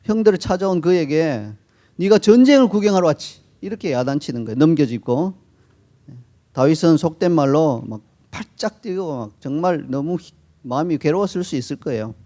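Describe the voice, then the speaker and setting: A man preaching a sermon, explaining calmly and acting out short quoted lines. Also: a little high, a little fast. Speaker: pastor.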